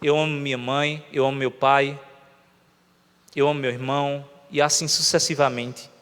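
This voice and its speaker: A man's voice: medium pitch, little pitch movement, normal speed, fairly bright tone, clear, resonant tone. Brazilian man preaching in a reverberant church. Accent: Brazilian Portuguese. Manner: conversational, asks the congregation questions. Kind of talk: sermon. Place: church hall. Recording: long reverb of a church hall.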